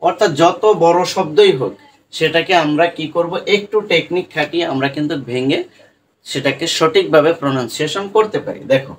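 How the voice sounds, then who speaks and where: A man teaching English pronunciation in an online lesson, patiently breaking long words into parts and repeating them slowly. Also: on the high side, a little hiss or hum, low-quality recording.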